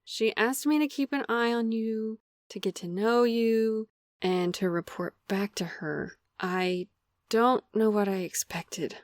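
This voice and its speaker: An actress playing a guarded perfectionist young office worker in an audio drama, measured, articulate and earnest. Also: female voice, fairly high pitch, no room sound. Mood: pleading, confessional.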